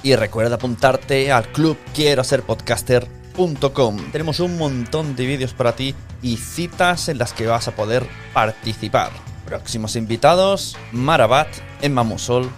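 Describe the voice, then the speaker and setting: Low voiced guy hosting a podcast, chatty, music underneath. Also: moderate pace. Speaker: podcast host. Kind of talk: casual interview chat and promotion.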